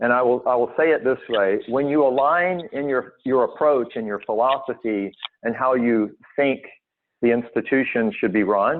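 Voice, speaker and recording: A man speaks with an American accent at medium pitch and a moderate pace. His is an unremarkable speaking voice with ordinary pitch variation. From US South, Mobile, Alabama. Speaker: prison healthcare executive. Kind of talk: interview.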